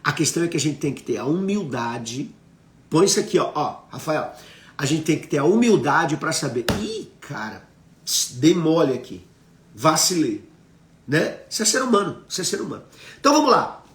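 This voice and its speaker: A Brazilian preacher with a Brazilian Portuguese accent teaches emphatically on a live stream, questioning his viewers and replying to their comments. His voice is a little high for a man, fairly bright and fairly quick, with big pitch swings, and the sound is roomy and echoey.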